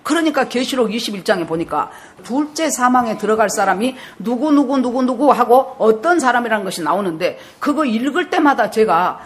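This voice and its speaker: A woman's voice: a little high, lively intonation, brisk, hardly any pauses. A woman pastor in her sixties preaching in a storytelling way, acting out dialogue and repeating words for emphasis. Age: 60s. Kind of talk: storytelling sermon.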